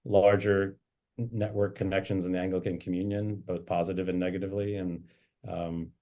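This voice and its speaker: A man's voice: sits low, flat delivery, a little fast, dark tone. A man, a bishop, reflectively telling anecdotes from his life in a conversational interview. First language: English. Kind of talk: interview storytelling.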